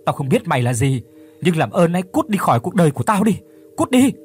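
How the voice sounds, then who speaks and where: A man's voice: a little high, very animated, fast, a little mellow, a little hiss or hum, pitched above the performer's own voice. A man voicing a frightened, desperate young office worker who screams in panic. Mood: panicked screaming. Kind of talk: audiobook character voice.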